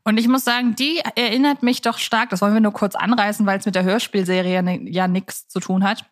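A woman's voice: mid-range voice, fairly even intonation, a little fast, no echo, studio quality. A woman co-hosting a casual podcast discussion, speaking in a reflective, opinionated way. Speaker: podcast co-host.

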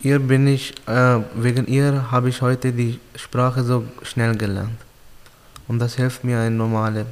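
A young man from Pakistan whose first language is Urdu, answering interview questions in simple, halting learner's German with many pauses. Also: medium pitch, flat delivery, a little mellow, smooth, long reverb tail. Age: young adult.

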